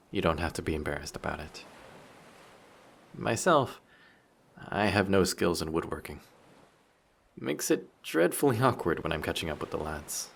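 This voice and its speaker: A man's voice: low-pitched, animated, unhurried, creaky, pauses often, fairly bright tone, slightly rough, exaggerated voice. A man playing a handsome, vain, flirty sea monster posing as a passenger in a roleplay audio drama, with a polite, formal, teasing and self-assured manner. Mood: teasing, curious.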